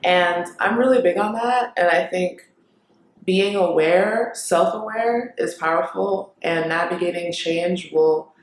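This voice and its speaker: Reflective young woman vlogger in echoey room. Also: lowish voice. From Kenya. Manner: reflective, thinking aloud with many pauses and fillers. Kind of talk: casual talk to camera.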